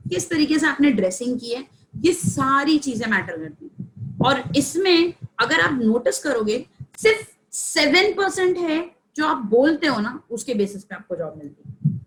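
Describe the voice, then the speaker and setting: A woman's voice: high-pitched, sing-song, normal speed, a bit bright, poor audio. A woman trainer giving an online training session over a headset, explaining in a conversational way, mixing in English and asking the audience questions. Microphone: headphones on a video call.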